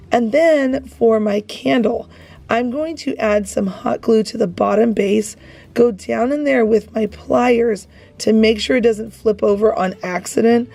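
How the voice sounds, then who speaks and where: A hoarse woman hosts her craft channel, talking viewers through a project step by step. Her voice sits a little high yet sounds mellow and soft. The delivery stays friendly and instructional. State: hoarse, has lost her voice. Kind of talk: DIY craft tutorial voice-over.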